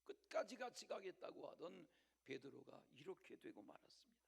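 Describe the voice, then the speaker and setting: High, gravelly-voiced pastor preaching dramatically. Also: male voice, big pitch swings, brisk. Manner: dramatic storytelling, swinging from loud declaration to hushed whisper; direct repeated appeals to the congregation. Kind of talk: Sunday sermon. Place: church service.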